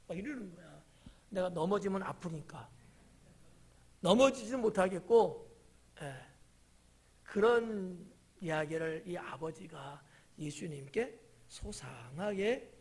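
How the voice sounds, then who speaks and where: A male pastor, preaching a casual Wednesday sermon. He keeps asking the congregation questions, then sinks to a whisper or jumps to a shout. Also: high-pitched, slightly rough. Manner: chatty, quizzes the congregation by title; drops to whispers and rises to sudden shouts. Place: church sanctuary.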